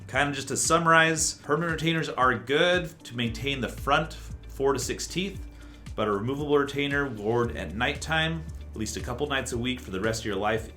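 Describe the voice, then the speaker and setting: Male orthodontist, medium pitch, casual Q&A explainer, methodical and reassuring, faint music. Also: fairly bright tone. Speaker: orthodontist answering viewer questions.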